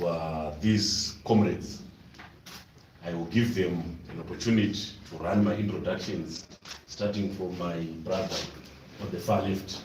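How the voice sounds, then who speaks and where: Low-pitched Zimbabwean man, echoey and distant. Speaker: civic forum leader, main speaker. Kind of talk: press conference address. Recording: echoey room, distant mic, clear noise.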